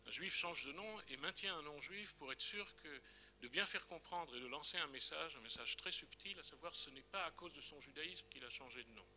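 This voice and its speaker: A man's voice: on the high side, lively intonation, a little fast, bright, forceful tone, slight background noise. A man giving an explanatory historical talk at a conference and addressing a colleague directly. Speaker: conference speaker. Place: conference hall.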